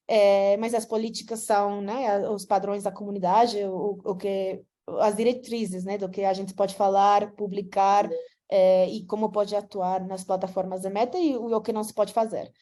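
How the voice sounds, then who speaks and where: A woman's voice: medium pitch, warm tone. A woman from Venezuela with a Venezuelan Spanish accent, speaking Portuguese as a guest speaker on a video call, often hesitating and restarting. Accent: Venezuelan Spanish, with some Portuguese mixed in. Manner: frequent hesitations and restarts, friendly, mixes in Spanish. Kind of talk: online talk with slides.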